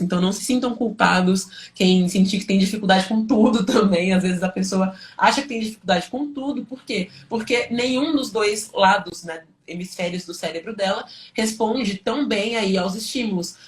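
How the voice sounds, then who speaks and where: A woman with a Brazilian accent speaks at a medium pitch as she teaches live. She explains things informally, as if chatting with students, often asking a question and answering it herself, with small check-in tags along the way. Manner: conversational and didactic, asks and answers own questions, frequent check-in tags. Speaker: teacher and study coach hosting a livestream.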